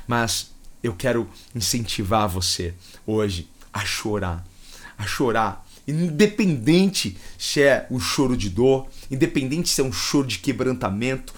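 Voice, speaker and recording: A man with a Brazilian accent preaching a livestreamed sermon, fervent and repetitive, with emotional swells in his voice. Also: medium pitch. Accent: Brazilian Portuguese.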